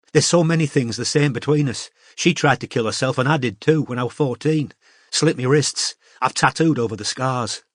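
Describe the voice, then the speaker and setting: A man voicing a troubled teenage girl with a northern English accent, talking in a halting, confessional way. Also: mid-range voice, a bit bright, no echo, studio quality, close to an everyday voice. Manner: tearful, halting confessional talk.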